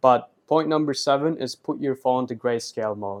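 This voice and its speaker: Moving at a moderate pace, a man speaks in a non-native accent. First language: not English. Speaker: podcast host, self-help coach. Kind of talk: solo podcast monologue. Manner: casual, conversational.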